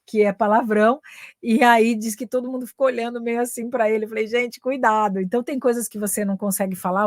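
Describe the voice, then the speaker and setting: A woman's voice: a little high, no echo. Woman, Brazilian Portuguese accent, chatty English teacher, casual live lesson, dry close sound. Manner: chatty, tags sentences with "né" and mixes in English phrases.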